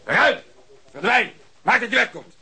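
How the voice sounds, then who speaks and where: An actor playing a gruff, exacting, short-tempered police detective in a radio crime drama, blunt and commanding. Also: male voice, high voice, very animated, normal speed. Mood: angry, commanding.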